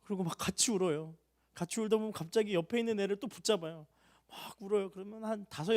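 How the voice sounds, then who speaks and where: In a church hall, a young adult male pastor delivers an emotional sermon. His voice swings between loud, rising appeals and hushed, low tones.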